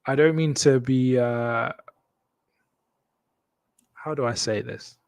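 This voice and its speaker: A man's voice: medium pitch, takes it slowly, vocal fry, darkish tone, no echo. A man with a Kenyan accent, born in Congo and raised in Kenya, hosting a live show and signing off to his viewers in an upbeat, joking way, often repeating his phrases. English is not his first language. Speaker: host.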